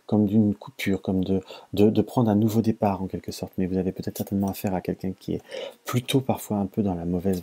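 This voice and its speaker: A man's voice: lowish voice, mellow, breathy edge. A man doing a casual monthly tarot reading to camera, hesitant, often stumbling and restarting his sentences. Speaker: tarot reader.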